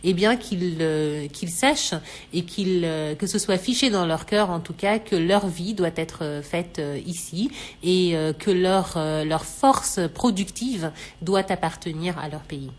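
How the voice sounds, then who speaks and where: A woman from Senegal explaining on a radio talk show, measured and thoughtful, with many fillers. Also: lowish voice. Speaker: radio show expert guest.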